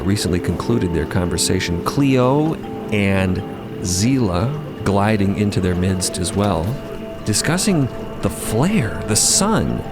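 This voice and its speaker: A man narrating scripted audio fiction dramatically, in a deliberate, suspenseful manner. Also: on the low side. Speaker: narrator and co-host.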